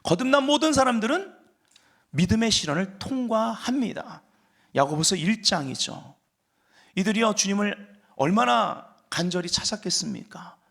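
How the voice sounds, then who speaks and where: A man's voice: high voice, expressive, normal speed, vocal fry, a bit bright. A man preaching a Sunday sermon as pastor, explaining scripture and rising to fervent emphasis.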